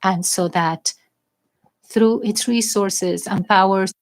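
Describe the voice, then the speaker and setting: Female conference interpreter, mid-range voice, measured and slightly halting delivery of a formal address. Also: medium pitch, steady tone. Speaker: live interpreter. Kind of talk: spoken interpretation of a formal speech.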